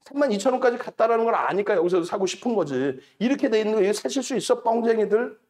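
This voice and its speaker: High lively-voiced man lecturing on stock charts. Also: fast. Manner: emphatic, repeats key numbers, mocks rivals as liars. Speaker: stock market show host.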